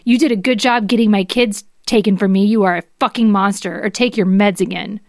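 A woman's voice: mid-range voice, fairly even intonation, fairly quick, no room sound, studio quality, close to an everyday voice. A woman acting out an angry, scornful wife in a dramatic reading of furious, insulting text messages, with emphatic delivery.

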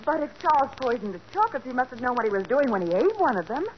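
Inquisitive young sidekick. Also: female voice, high voice, very animated, very fast. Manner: eager, inquisitive. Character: quick, curious young woman sidekick. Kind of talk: 1940s radio acting. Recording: dull hissy 1940s radio recording.

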